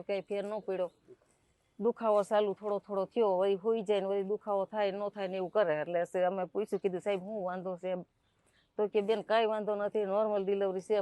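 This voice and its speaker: A woman's voice: mid-range voice, warm tone, dry recording. Distressed middle-aged woman. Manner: recounts events by quoting staff and herself in rapid dialogue. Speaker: relative of the patient, interviewed. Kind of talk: emotional eyewitness account.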